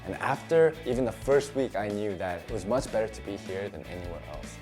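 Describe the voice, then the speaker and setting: A woman's voice: a bass voice, expressive, a little fast, over music. A woman speaking enthusiastically and casually in a testimonial interview.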